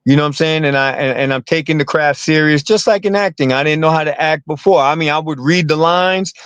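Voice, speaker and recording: A man's voice: fairly high pitch, fairly quick, a bit bright, clear, resonant tone, no echo. Guest comic, male, casual and rambling, stacks up repeated words, close dry sound. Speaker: comedian and actor guest. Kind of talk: casual interview talk.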